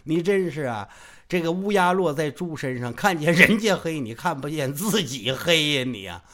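Man doing young heroine girl, scolding, indignant, bright sharp voice. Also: on the high side, animated, moderate pace, pitched below the performer's own voice. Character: proud young female martial heroine, scolding. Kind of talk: traditional storytelling performance.

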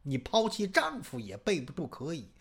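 A woman storyteller voicing a blunt, righteous old female servant who scolds her mistress in rapid tirades. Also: low-pitched, huge pitch swings, breathy edge, pitched below the performer's own voice, heavily acted. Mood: furious.

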